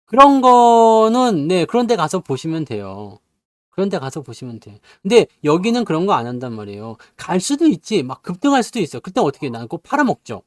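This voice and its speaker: A man's voice: fairly high pitch, dry recording, clean studio sound. A man giving a casual stock investing lecture, teasing listeners with constant "eh?" prompts and acting out little bits along the way. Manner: acts out bits with sound effects and playful asides.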